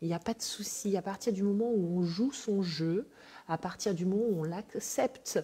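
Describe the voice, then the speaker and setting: A woman speaks at a fairly slow pace in a medium pitch, somewhat breathy. Her tone is dark and mellow, with ordinary pitch variation. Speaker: spiritual medium and energy healer. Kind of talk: live stream talk. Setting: coworking space, live video stream.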